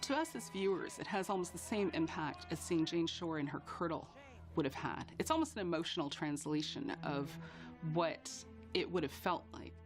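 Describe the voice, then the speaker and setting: A woman giving measured, explanatory interview commentary on history for a documentary. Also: low voice. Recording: faint music bed behind voice.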